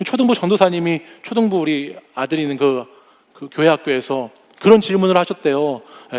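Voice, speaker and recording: A pastor in his forties preaching a sermon, telling humorous family stories and acting out his kids' voices. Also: high voice. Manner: warm storytelling with humorous anecdotes; acts out family members' voices.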